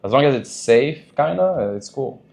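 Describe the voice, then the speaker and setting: A man talking casually as a podcast guest, loose and chatty, laughing often and filling pauses with "like" and "you know". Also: mid-range voice, expressive, vocal fry, a little mellow, reverberant. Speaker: podcast guest, dating coach. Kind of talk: casual interview talk.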